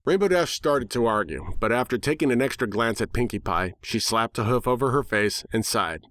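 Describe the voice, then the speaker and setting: A man narrates a story dramatically in the first person, conversational and sardonic. His medium-pitched voice moves in animated swings and sounds dry and close. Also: a little fast, no echo. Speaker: story reader.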